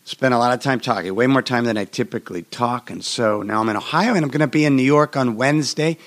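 A man with a hoarse, worn voice talks through his explanation solo, at a middle pitch. He rambles and often restarts his sentences, and he records from a hotel room. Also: quick pace. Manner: rambling, repeats and restarts words. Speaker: podcast host.

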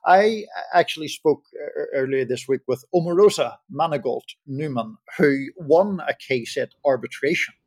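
A man from Belfast with a Northern Irish accent, giving measured, wordy commentary as a panellist, with dry understatement. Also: a little high, animated, husky. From Belfast, Northern Ireland. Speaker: journalist, roundtable panellist. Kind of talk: conversational political commentary.

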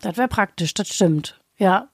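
A woman co-hosting a podcast, chatting casually with quick, dry, self-mocking quips. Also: medium pitch, expressive, no room sound. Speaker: podcast co-host. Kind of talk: casual chat.

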